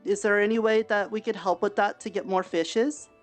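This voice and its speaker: A woman speaking in character in a roleplay session, talking to a gathered town in a gentle, halting, earnest way. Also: medium pitch, steady tone, soft background music. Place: virtual world roleplay session.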